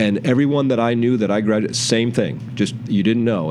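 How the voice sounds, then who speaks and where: Amid noticeable background noise and audible room echo, a man with an American accent speaks with ordinary pitch variation. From US East Coast. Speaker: corporate sponsorship executive. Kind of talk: interview. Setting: office.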